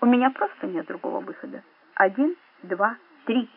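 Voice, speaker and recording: A woman voicing a calm, cold-blooded male secret agent who speaks quietly and with mockery, in an audiobook. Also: very high voice, vocal fry, slight background noise, exaggerated voice. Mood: cool. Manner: quiet, measured, mocking. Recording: narrow phone-like band.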